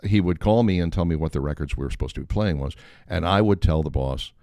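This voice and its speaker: On a talk show, an older man with a deep voice tells a funny anecdote in a wry, casual way, animatedly acting out the quoted dialogue. He talks fast, and the recording is dry and studio quality.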